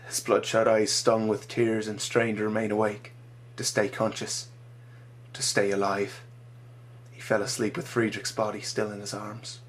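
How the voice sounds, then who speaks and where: A man reading his own dramatic short story aloud, measured and slowing for grim moments. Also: lowish voice, completely flat delivery.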